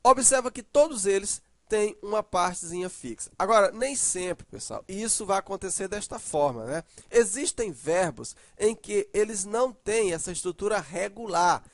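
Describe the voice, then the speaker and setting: A man's voice: high voice, expressive, moderate pace, few pauses, no echo. A man teaching a grammar lesson, explaining patiently and stressing syllables aloud with frequent tag questions.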